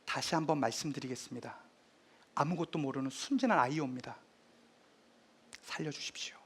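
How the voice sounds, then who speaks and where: A man voicing a gentle young king who pleads in a low, hushed voice. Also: a little fast, husky. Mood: pleading.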